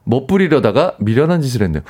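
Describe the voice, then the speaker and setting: A man's voice: mid-range voice, big pitch swings, fast talker, darkish tone. A man hosting a casual radio chat, reading listener stories aloud and playfully teasing his co-host.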